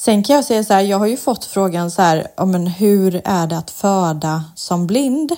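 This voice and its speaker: A woman speaks at a medium pitch in a dark, mellow tone. Her intonation is lively. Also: moderate pace, very clean recording, silent background. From Sweden, Jönköping. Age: 30s. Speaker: blind entrepreneur and mother. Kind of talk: casual chat.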